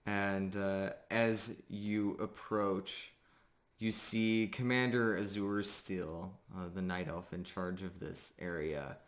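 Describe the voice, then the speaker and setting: A man narrating a tabletop roleplaying game as game master, improvising in halting phrases with pauses. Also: sits low, fairly even intonation. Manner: halting, pausing between phrases.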